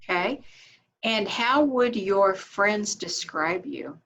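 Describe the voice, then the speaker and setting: A woman's voice: medium pitch, lively intonation, slow, fairly bright tone, poor audio. A woman hosting a candidate interview, asking scripted questions with brief, polite prompts. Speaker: interviewer, chamber of commerce host.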